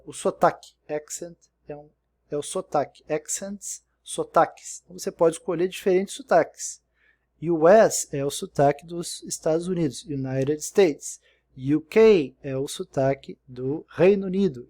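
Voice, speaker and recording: A man teaches English in a patient, explanatory way and often checks in with the listener. His voice sits a little high but has a dark, mellow tone. It sounds like a recorded screen-share lesson.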